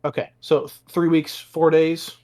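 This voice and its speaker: A tabletop game player asking brisk, detail-checking questions in a casual chat. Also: mid-range voice, flat delivery, darkish tone.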